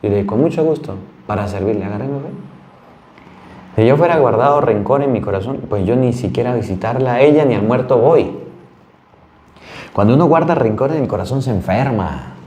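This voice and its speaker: A priest from Venezuela giving a sermon, telling a story in an earnest, plain-spoken way. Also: male voice, mid-range voice, expressive, a little fast, mellow, roomy sound.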